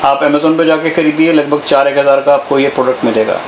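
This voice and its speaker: Middle-aged man, business owner pitching his own products, boastful sales tone, slightly raised voice, faint room hum. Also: steady tone, brisk. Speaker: speaker company owner and designer. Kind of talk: product demo. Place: speaker factory and showroom, indoors.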